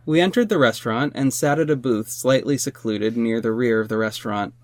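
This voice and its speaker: A man's voice: medium pitch, a little fast, no echo, lightly acted. An actor playing a hurt young gay man who narrates and speaks in an audio drama, earnest and emotional. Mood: somber narrating. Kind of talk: audio drama acting and first-person narration.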